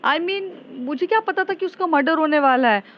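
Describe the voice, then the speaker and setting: A woman voicing Jessica, a shaken young woman who is a restless amateur sleuth, talking in rushed, exasperated bursts. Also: sits high, highs cut off, pitched above the performer's own voice, lightly acted.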